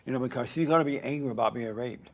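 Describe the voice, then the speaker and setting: A man's voice: medium pitch, fast. A man hosting a talk show interview, pressing his guest with blunt, leading questions.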